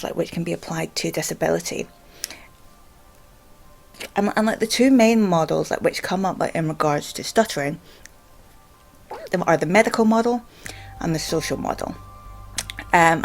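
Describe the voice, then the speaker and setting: Low-pitched Scottish woman with a stammer. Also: vocal fry, a little mellow. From Scotland. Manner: halting, with frequent repeated filler words. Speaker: vlogger and stammering advocate. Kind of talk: informal explainer to camera.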